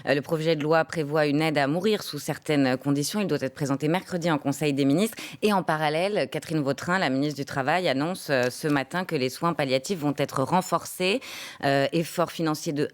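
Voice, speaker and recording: A woman co-hosting a radio interview, asking measured, direct questions. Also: deep voice.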